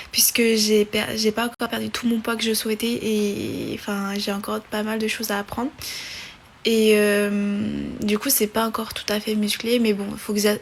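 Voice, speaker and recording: A woman's voice: medium pitch, a little hiss or hum. A woman in her twenties hosting a casual live stream on her phone, reading viewer questions aloud and chatting back with many fillers and restarts. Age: 20s.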